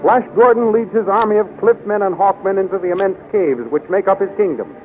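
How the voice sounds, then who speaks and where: A man's voice: high-pitched, brisk, over music. A man narrating a 1930s radio adventure serial as announcer, in formal, dramatic scripted declamation. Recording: tinny, faintly noisy 1930s radio recording.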